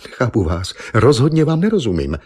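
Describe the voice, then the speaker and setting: A man voicing a vain young woman, a beauty queen who is haughty and demanding, in a story reading with a husky, lively voice. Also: medium pitch, voice pushed up. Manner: haughty, demanding, quickly changing her mind. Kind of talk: audiobook reading.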